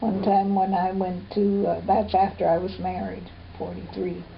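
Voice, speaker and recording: A woman speaks with an Ontario accent. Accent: rural Ontario Canadian. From Ballinafad, Ontario, Canada. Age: 80s+. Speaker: farm woman. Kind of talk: oral history interview answer.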